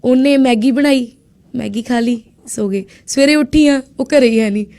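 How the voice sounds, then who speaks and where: A young woman from India, a student guest on a radio show, telling her story in a lively way and acting out what people said. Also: on the high side, moderate pace. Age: young adult. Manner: lively storyteller who acts out quoted speech. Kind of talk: casual storytelling interview.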